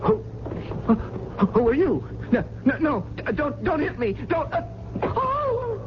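A man's voice: very high-pitched, huge pitch swings, takes it slowly, exaggerated voice. An actor playing a terrified, stammering man pleading with muggers in a radio drama. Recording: dull, noisy old radio broadcast recording.

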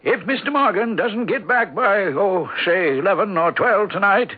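A man playing a helpful, folksy small-town neighbour, steady and reassuring, through a telephone filter in a 1970s radio drama. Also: high voice, moderate pace, husky, phone-quality sound. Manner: easygoing, reassuring. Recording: thin, noisy telephone-filtered radio broadcast.

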